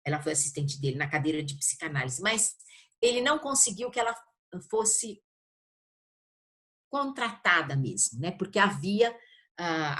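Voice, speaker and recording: A woman's voice: on the low side, fairly bright tone. An older woman with a Brazilian Portuguese accent, a professor explaining informally in an interview, searching for words and often adding short check-in tags. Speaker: university literature professor being interviewed.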